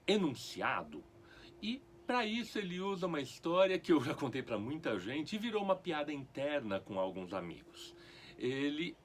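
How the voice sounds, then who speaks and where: Brazilian man, middle-aged, lecturing on poetry; slow pace, lively pitch, faint hiss behind. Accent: Brazilian Portuguese. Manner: lively, expressive, slow and deliberate. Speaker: literature lecturer. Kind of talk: explanatory talk on poetry.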